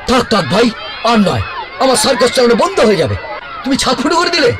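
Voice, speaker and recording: A man playing an excitable, easily flustered circus boss in a children's cartoon. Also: very high-pitched, quick pace, a crowd in the background. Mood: alarmed, exasperated. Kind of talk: Bengali children's cartoon dubbing. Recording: music behind the voice.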